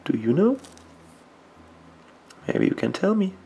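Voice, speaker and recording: A young man with a German accent, a native German speaker, talking casually and hesitantly while he paints miniatures at his desk, often pausing to search for words. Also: high-pitched, very animated, gravelly, warm tone, muffled recording, a little hiss or hum. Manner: slow, hesitant, searching for words with many ums.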